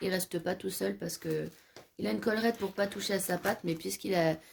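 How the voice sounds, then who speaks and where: Talking at a fairly quick pace, a woman uses a fairly low pitch with vocal fry. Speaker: vlogger. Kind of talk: casual vlog. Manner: trying to speak louder.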